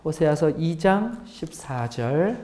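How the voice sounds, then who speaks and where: A man preaching a Bible lesson as pastor, often asking the congregation questions and acting out gentle and harsh tones of voice. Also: fairly high pitch, sing-song, takes it slowly, a little hiss or hum. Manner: asks the congregation frequent questions; acts out contrasting tones of voice. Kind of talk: Bible teaching sermon.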